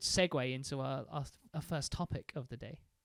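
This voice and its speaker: A man talks with a British accent and ordinary pitch variation. The sound is dry and close, with no echo. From UK. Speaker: podcast co-host and streamer. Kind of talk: casual chat. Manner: fast.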